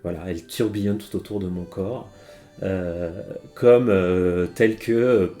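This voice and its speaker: Man, live-stream language lesson, hesitant and halting, lowish voice, faint background music. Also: fairly even intonation, dark tone. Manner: hesitant, many fillers and restarts. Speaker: Japanese teacher. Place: home streaming setup.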